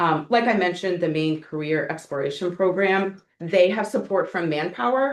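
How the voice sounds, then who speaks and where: A woman talks in a medium pitch with ordinary pitch variation. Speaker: school career exploration coordinator. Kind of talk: presentation at public meeting. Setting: school board meeting. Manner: fast; filler-heavy, informal.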